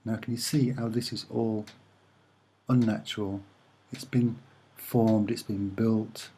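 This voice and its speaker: A soft-spoken man giving a hesitant, musing, rambling commentary on images as an amateur presenter. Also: on the low side, flat delivery, slow pace, husky.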